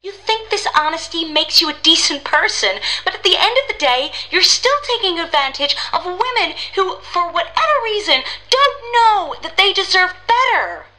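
A bitter young woman delivers a dramatic monologue as an accusation. Her voice is very high and animated, with a sharp, pointed edge. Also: moderate pace, few pauses, heavily acted, low-quality recording. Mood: indignant reproach.

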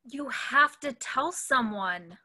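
A frank, worried young friend in a stage drama, acted by a woman. Her voice is slightly high and bright, with slow delivery. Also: lively intonation, heavily acted. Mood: worried, insistent. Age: young adult. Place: room at home. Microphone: computer mic on video call.

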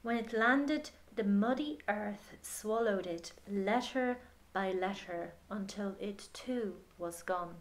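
Narrating a children's story slowly and without hurry, a woman speaks in a mid-pitched voice. She is expressive and deliberate, softens the ends of her phrases, and talks directly to young listeners.

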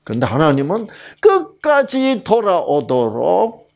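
A man's voice: sits high, measured pace, creaky. A middle-aged man giving a health lecture, telling a personal story and acting out the voices in it. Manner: animated storytelling, acts out quoted voices.

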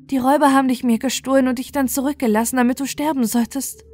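A woman's voice: sits high, fairly even intonation, fast, darkish tone, faint music behind, pitched above the performer's own voice. A woman voicing a heartbroken beggar mother in a fairy tale, imploring and emotional. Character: pleading, heartbroken beggar woman seeking her lost son.

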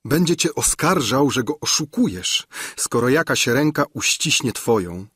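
A heartbroken young woman pours out her love and despair in an impassioned, declamatory plea, as a man reads her part in an audiobook. The husky voice sits at a middling pitch. It sounds close and dry, with no room around it. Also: big pitch swings, unhurried, fairly bright tone, no echo, exaggerated voice. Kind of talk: audiobook reading of a classic novel.

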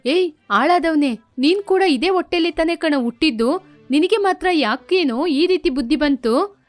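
Woman as harsh older mother-in-law, scolding and lamenting, storybook voice, high. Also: animated, normal speed, soft background music.

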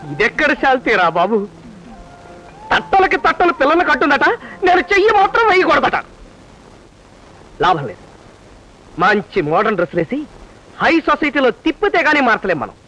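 An actor playing a rich, frustrated young husband who is teasing and exasperated, in a film comedy. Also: male voice, extremely high pitch, big pitch swings, normal speed, pauses often, pushed and bright, full character voice, poor audio.

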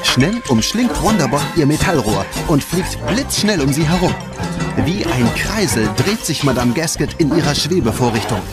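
Lively male storyteller over prominent music. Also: on the high side, moderate pace. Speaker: narrator. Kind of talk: scripted narration of children's audio play. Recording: music under the voice.

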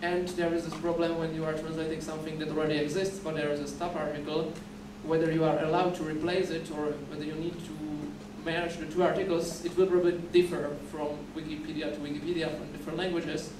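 A young Czech man whose first language is Czech presents at a conference from a podium in a dim lecture hall. His voice sits fairly high with a level tone, and he talks quickly with few pauses, often repeating words and starting over. It's recorded from a far camera off a podium mic, leaving the echoey hall noisy.

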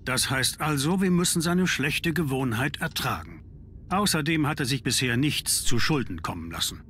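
A man's voice: mid-range voice, lively intonation, normal speed, bright, forceful tone, a little hiss or hum. An actor playing a pragmatic, formal man who works at a manor, in a video game, matter-of-fact in delivery. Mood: resigned. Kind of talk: scripted video game acting.

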